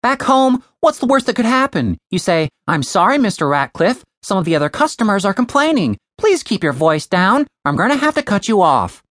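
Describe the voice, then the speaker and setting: A man's voice: high voice, very animated, a little fast, hardly any pauses, a bit bright, no room sound, studio quality, voice pushed up. A woman voicing a grumpy, foul-mouthed young man, a former bartender who rants profanely. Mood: ranting. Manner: profane, ranting.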